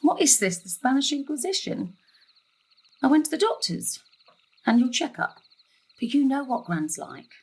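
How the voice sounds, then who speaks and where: A woman's voice: high voice, big pitch swings, normal speed, pauses often, darkish tone, slightly rough, exaggerated voice, rough recording. An actress playing a weary, guarded middle-aged mother with a terse, exasperated manner in an audio drama.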